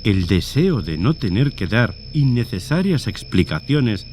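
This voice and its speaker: A man narrating a horror short story as a dramatized audiobook, in a measured, literary storytelling manner. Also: on the low side, big pitch swings, a little mellow, slight background noise. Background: music bed under the narration.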